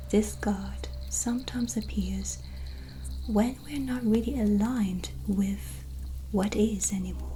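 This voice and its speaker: A woman playing a gentle, reassuring white witch tarot reader in a breathy, soft-spoken ASMR whisper. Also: medium pitch, a little hiss or hum, lightly acted. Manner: slow, pausing, soothing, reflective. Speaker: ASMR roleplayer giving a tarot reading. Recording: soft music behind close voice. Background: soft relaxing music.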